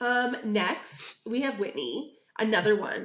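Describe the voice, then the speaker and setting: The speaker is a woman whose pitch runs fairly high. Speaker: podcast co-host. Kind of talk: casual chat.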